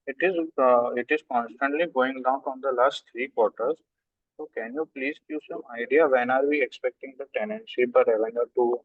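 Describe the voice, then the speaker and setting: A man's voice: medium pitch, no room sound. A man with an Indian accent, an analyst caller asking questions on an earnings call, polite but persistent. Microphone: remote call line. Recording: distant, narrow, radio-like phone line.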